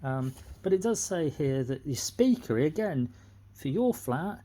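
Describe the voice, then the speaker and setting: In an unhurried, mellow mid-range voice full of big pitch swings, a middle-aged Briton airs a personal grievance without a script. Speaking as an indignant tenant with a complaint, they keep circling back to the same points.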